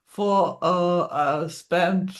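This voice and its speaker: A woman's voice: on the low side, very slow. A woman from the Czech Republic hosting a casual interview, speaking with frequent "uh"s and agreeing "yeah"s. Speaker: host.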